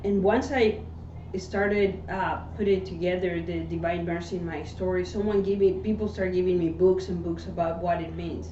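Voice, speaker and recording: A woman's voice: fairly low pitch, steady tone, moderate pace, mellow. A woman from Mexico City, earnestly telling her story as an interview guest and tagging sentences with "right?". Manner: earnest, often adds "right?" tags. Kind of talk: personal testimony in conversation. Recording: echoey room, dull sound, faint hiss.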